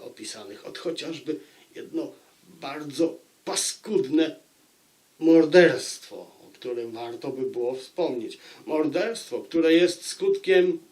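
Male book-review host, medium pitch, very unhurried delivery with dramatic pauses and emphatic repetition. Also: a little mellow. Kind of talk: informal spoken book review to viewers.

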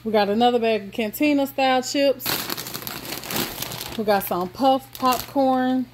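A woman vlogger, walking through her groceries in a home kitchen and listing items slowly, with many ums and pauses. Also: sits high, noisy background. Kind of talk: casual grocery haul walkthrough.

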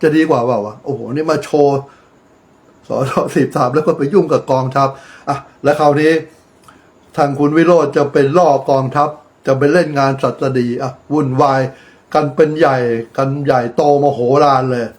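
A middle-aged man giving casual, profane political commentary on his own channel, blunt and lecturing. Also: fairly high pitch. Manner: blunt, crude, swears freely; preachy, lecturing advice.

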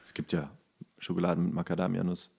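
A man's voice: sits low, little pitch movement, fairly quick, creaky, darkish tone, husky. Playful man bantering as podcast co-host. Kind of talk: casual, jokey banter.

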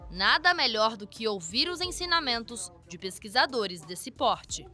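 A woman with a Brazilian Portuguese accent reading a scripted news report in an even, polished way. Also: on the high side, unhurried, faint music behind.

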